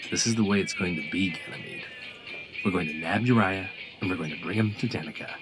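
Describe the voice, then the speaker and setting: An actor plays a resolute male schemer with a very deep voice. He talks in clipped, controlled menace, in the manner of an audio drama, over prominent music. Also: quick pace, close to an everyday voice. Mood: cold, resolute. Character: cold, resolute male conspirator plotting a trap. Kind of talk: full-cast audio drama acting.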